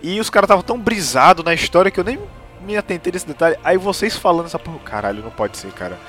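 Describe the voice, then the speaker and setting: A man's voice: fairly high pitch, expressive, quick pace, fairly bright tone, soft background music. Slangy Brazilian man hosting casual chat. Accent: Brazilian Portuguese. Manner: laid-back, slangy, asks the others questions. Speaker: podcast host.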